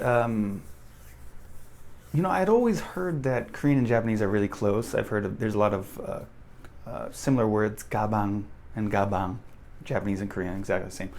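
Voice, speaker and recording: A man chats straight to camera in a loose, rambling way, circling back and restarting his sentences. His pitch swings widely as he talks. There is a gravelly fry through his voice. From United States. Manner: animated, rambling, many restarts and fillers. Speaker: language vlogger. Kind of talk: casual monologue to camera.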